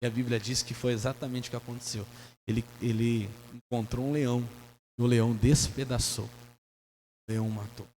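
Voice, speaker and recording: A Brazilian man preaching a sermon as pastor. He swings between soft and loud passages and mimics church members in his own voice. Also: medium pitch, fairly even intonation, normal speed. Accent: Brazilian Portuguese. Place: church sanctuary. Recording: long church reverb, faint hum.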